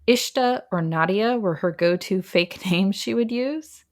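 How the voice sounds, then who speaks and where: A woman's voice: mid-range voice, measured pace. A woman hosts a casual true crime podcast and walks through the case step by step. Her telling is chatty and wry, often broken by a laugh. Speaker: podcast host.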